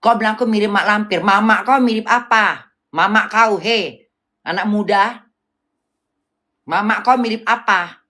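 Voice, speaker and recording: A woman's voice: mid-range voice, a little slow, pauses often, pushed and bright. A woman rants on a livestream in a blunt, coarse, scolding way, throwing rhetorical questions at her viewers. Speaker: livestream host. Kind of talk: casual livestream rant.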